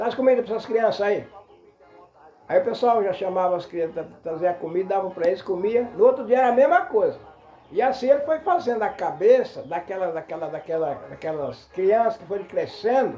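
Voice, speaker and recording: A high-pitched male voice at a fairly quick pace, with lively intonation. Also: big swings in loudness. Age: 80s+. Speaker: elderly storyteller. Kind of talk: casual storytelling monologue. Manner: halting, repeats words.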